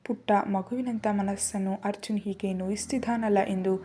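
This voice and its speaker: A woman narrating a serialized story in a steady, even reading voice. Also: mid-range voice, moderate pace, slightly rough.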